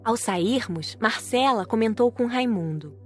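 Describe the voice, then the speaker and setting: A woman's voice: on the high side, lively intonation, a little slow, faint music behind. A woman reading scripted first-person audiobook narration.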